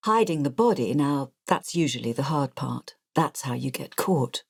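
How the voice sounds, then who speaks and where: Audiobook prologue: a killer confessing, self-satisfied and measured, low female register, dry intimate sound. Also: lively intonation, creaky, husky, dry recording, full character voice. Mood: cool, confessional. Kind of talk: audiobook monologue.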